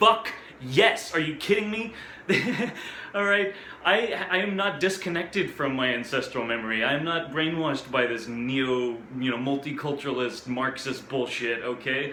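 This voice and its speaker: A man with an American accent speaks at a moderate pace, his fairly high voice carrying lively intonation. Audible room echo and noticeable background noise surround him. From United States. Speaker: video blogger. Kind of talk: casual rant to camera. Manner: animated.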